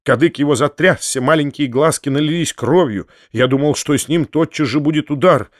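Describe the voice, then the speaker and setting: A man narrating a classic novel as an audiobook in a measured, expressive way. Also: fairly high pitch, no echo, clean studio sound. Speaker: audiobook reader.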